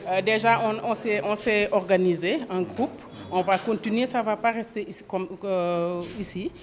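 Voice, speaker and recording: A woman who took part in a training, answering interview questions with hesitant pauses. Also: mid-range voice, slight background noise. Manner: hesitant, with fillers. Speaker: training participant.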